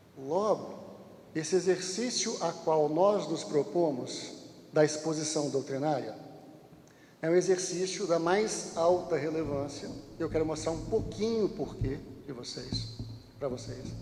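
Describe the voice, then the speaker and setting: A man's fairly high voice, fairly slow and with long, frequent pauses, ordinary pitch variation, noticeable background noise and audible room echo. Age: 50s. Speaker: spiritist lecturer. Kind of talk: lecture. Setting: stage with audience.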